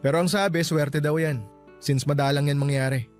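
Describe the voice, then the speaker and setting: A man's voice: fairly high pitch, steady tone, moderate pace, close to an everyday voice. A man playing a teasing, easygoing young suitor in a radio romance drama. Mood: wistful, sincere. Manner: casual, teasing. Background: music.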